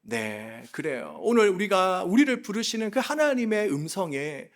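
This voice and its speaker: A male pastor from South Korea delivering a sermon to his congregation. His voice sits high and moves through a wide, lively range. He preaches in an impassioned, pleading way and leans on rhetorical questions. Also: normal speed.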